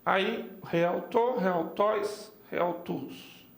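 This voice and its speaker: A man teaching Biblical Greek in a seminary class, slowly spelling out word forms and checking in with his students. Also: high-pitched, echoey room. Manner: slow, spells out forms, frequent "tá?" and "ó". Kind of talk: classroom lecture. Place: church classroom.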